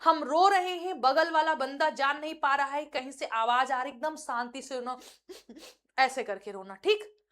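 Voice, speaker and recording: A woman's voice: high voice, normal speed, few pauses, fairly bright tone. A woman teaching English in Hindi, explaining with vivid examples and putting questions to her viewers. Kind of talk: spoken-English lesson in Hindi.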